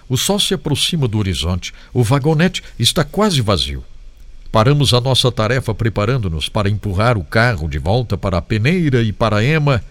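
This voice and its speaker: Man reading a memoir with lively pitch. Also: no room sound. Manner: dramatic, varied, slows for solemn moments. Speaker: devotional reader. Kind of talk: expressive reading of a first-person memoir.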